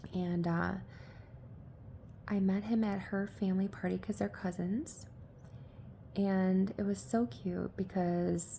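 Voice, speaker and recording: A soft-spoken woman talks at a very slow pace. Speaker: lifestyle vlogger. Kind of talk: casual storytelling monologue. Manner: hesitant, many fillers.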